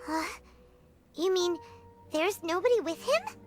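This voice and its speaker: A tiny, anxious fairy companion for a video game. The voice is extremely high, squeaky and childlike, bouncing all over the range, with clear music behind it. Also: female voice, big pitch swings, a little slow, darkish tone, heavily acted. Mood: puzzled, uneasy.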